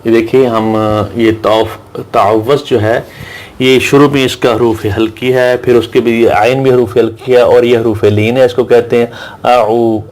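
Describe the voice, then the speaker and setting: A male Quran reading teacher who drills letter sounds in slow, repeated chants and explains pronunciation. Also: mid-range voice, darkish tone. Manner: recites Arabic verses slowly in a melodic chant. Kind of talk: slow drilled recitation lesson.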